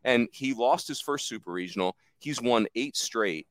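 A man's voice: medium pitch, expressive, normal speed, a bit bright, no echo. A man hosting a sports podcast, steering the talk and stressing figures emphatically. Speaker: podcast host steering the discussion.

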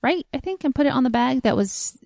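A woman's voice: high voice, lively intonation, brisk, gravelly, a little mellow, dry recording, studio quality. A woman chatting casually and upbeat as a podcast co-host, with many likes. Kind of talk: casual chat recapping a race.

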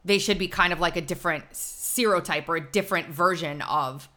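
Bright-voiced, lowish woman co-hosting a talk show. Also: brisk. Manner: informal, explanatory, laughs easily. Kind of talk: casual live commentary, reading aloud.

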